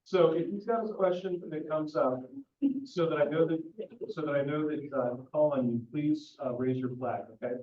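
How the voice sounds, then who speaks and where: A man acting as mayor, opening a public council meeting. He talks slowly and projects his voice without yelling, with no microphone in a meeting room. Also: fairly high pitch, fairly even intonation, slight background noise. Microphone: no microphone, picked up from a distance. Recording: echoey, distant, dull sound.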